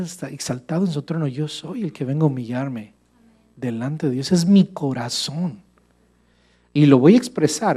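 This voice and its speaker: Guy preaching at church, kinda high voice, animated, keeps asking the crowd questions. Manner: animated preaching, addresses listeners as brother, rhetorical questions. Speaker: pastor. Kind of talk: sermon.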